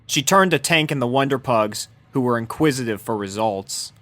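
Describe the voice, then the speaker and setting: A man's voice: medium pitch, animated, normal speed, fairly bright tone, dry recording. A man reading a scripted story aloud as narrator, in a dramatic storybook manner. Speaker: fan fiction narrator.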